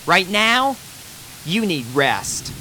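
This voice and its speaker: Man voicing a tomboy pony girl, high-pitched, lively, loud, faint hiss behind. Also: drawn-out words, heavily acted, low-quality recording. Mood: encouraging. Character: brash tomboyish young female pegasus pony.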